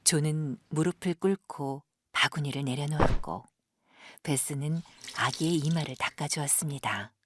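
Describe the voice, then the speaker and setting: A woman narrating an audio drama like a storyteller, gentle and measured, with breathy sentence endings. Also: sits low, background noise. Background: music.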